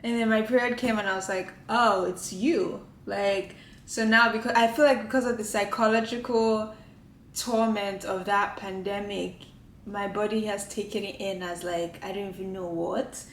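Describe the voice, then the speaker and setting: A woman's voice: mid-range voice, fairly even intonation, moderate pace. Chatty woman vlogging in an echoey kitchen. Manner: chatty, rambling, many "like" fillers. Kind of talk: casual chat to camera. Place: home kitchen at the counter. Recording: echoey room with faint ambience.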